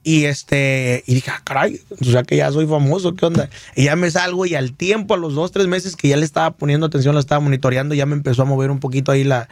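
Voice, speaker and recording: Speaking quickly with few pauses and fairly even intonation, this man's voice is on the high side and recorded dry. He's a Michoacán-accented singer rambling through his life story on a casual radio program, full of fillers and restarts.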